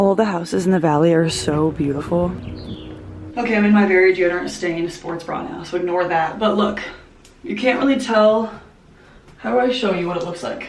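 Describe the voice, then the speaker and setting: Through noticeable background noise and audible room echo, a woman speaks at a fairly low pitch and fairly quick pace with ordinary pitch variation and long, frequent pauses. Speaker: lifestyle vlogger. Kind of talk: casual vlog talk. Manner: fast; rambling, hesitant.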